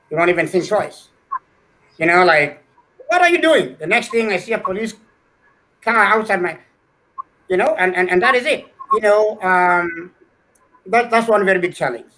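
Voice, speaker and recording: Bright-voiced man, high pitch. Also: rough recording. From Kenya. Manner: earnest, repeats words as he builds a point. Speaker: guest scholar. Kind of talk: interview answers.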